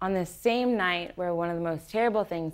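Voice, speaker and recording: This woman has a fairly low-pitched voice with ordinary pitch variation. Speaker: talk show guest. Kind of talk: interview answer. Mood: earnest, heartfelt. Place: stage. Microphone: lapel.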